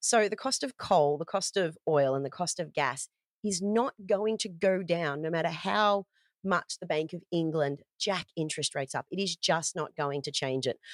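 A woman with an Australian accent speaks at a fairly low pitch with lively intonation. The recording is very clean with a silent background, dry and close with no echo. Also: moderate pace. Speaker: podcast host, finance writer. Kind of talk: solo finance podcast monologue. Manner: hesitant, filler-heavy.

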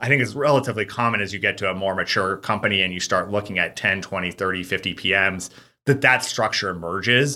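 A man with an American accent speaks at a very fast pace, his fairly low voice bright and sharp in tone with ordinary pitch variation. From US, Colorado. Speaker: product executive. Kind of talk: interview. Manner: loud.

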